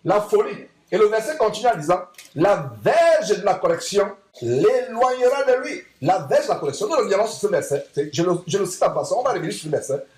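High-voiced man preaching in echoey hall. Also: very animated, fairly quick, darkish tone. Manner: emphatic, asks rhetorical questions and repeats lines. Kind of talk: sermon. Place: church assembly hall.

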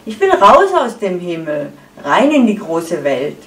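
A woman's voice: lowish voice, big pitch swings, a little slow, fairly bright tone, heavily acted. A woman voicing a restless egg white who pleads to leave its cozy shell for adventure, read aloud in a roomy space from a distance. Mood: eager. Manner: eager, pleading. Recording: echoey room, far from the mic.

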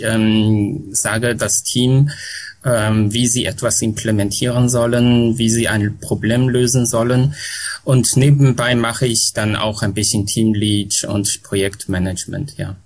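Man, middle-aged, slow, halting, lots of filler sounds. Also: medium pitch. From China. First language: Chinese. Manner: hesitant, many fillers and restarts. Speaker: guest. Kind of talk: casual podcast conversation. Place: home near an airport. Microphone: remote call from home.

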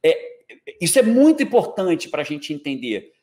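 Male coach, 40s, Brazilian accent, slightly high and very animated, playful and slangy, roomy echo. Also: moderate pace. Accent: Brazilian Portuguese. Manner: lively, joking, slangy, keeps checking in with listeners. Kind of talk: live online talk to an audience. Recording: echoey room.

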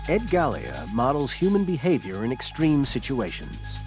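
A man narrating a documentary in a measured, dramatic scripted voice-over. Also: mid-range voice, wildly swooping pitch. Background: loud music score.

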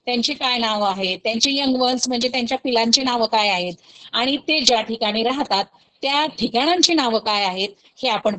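Woman teacher with a Marathi accent, slightly high. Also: fairly bright tone, rough recording. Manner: explains slowly, asks pupils rhetorical questions, imitates animal sounds. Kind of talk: scholarship exam coaching lesson. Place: recorded online lesson.

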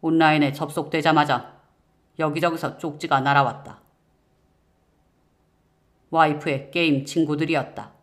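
A man narrating a first-person horror-mystery audiobook in a measured, suspenseful way. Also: on the high side, flat delivery, fairly bright tone.

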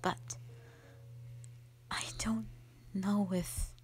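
A woman voicing a gentle, ancient black dragon, a protective and sorrowful elder sister, in a hushed, breathy, halting dramatic monologue. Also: mid-range voice, steady tone, a little hiss or hum. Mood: troubled, wistful. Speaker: audio roleplay performer. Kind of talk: soft whispered dramatic monologue, ASMR-like.

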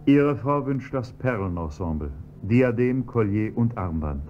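An actor playing a scheming chauffeur who slides from servile politeness into cold, mocking blackmail, on a dull, faintly hissy radio-play recording. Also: male voice, mid-range voice, expressive, a little slow, close to an everyday voice. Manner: polite and servile, then coolly mocking and menacing. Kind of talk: 1970s-style German radio play acting.

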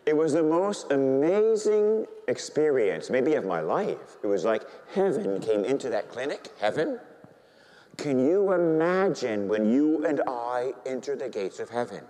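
A middle-aged man, a priest, preaching and telling a story with great feeling, dropping to a hush and rising to high excited tones. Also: measured pace. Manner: animated storytelling, swings from hushed to high excited voice. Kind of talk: sermon. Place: church. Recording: reverberant church hall.

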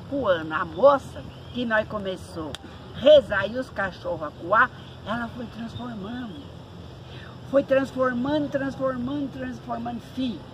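A middle-aged woman telling a folk ghost tale in lively, colloquial rural speech, mimicking sounds as she goes. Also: a little high. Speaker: storyteller. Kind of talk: oral folk storytelling. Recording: noisy recording.

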